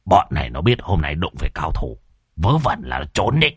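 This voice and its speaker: A man voicing an excitable, impatient older ghost-hunting master with a low, gruff grumble. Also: unhurried, dry recording, studio quality, heavily acted.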